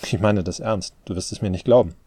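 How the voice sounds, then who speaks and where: A man with a low, dark voice playing a tired adult son who talks tersely and with strain, in an audiobook. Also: brisk, slightly rough, dry recording. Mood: weary.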